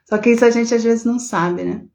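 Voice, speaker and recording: A woman's voice: a little high, a little mellow, dull audio. Brazilian woman, middle-aged, therapist hosting a live stream; chatty, teacherly, lots of tag questions. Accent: Brazilian Portuguese. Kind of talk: casual live-stream talk, reading viewer comments.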